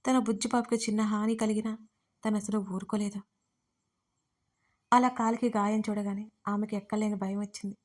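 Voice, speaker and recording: Woman narrating an audiobook in a flat voice. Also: mid-range voice, moderate pace, pauses often. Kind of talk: scripted storytelling narration.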